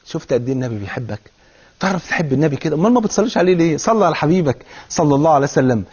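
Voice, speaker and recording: Fervent Egyptian preacher, fast and high. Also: male voice, lively intonation, a little mellow, slightly rough, highs cut off. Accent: Egyptian Arabic. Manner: fervent, addresses viewers directly with rhetorical questions. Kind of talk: televised religious sermon.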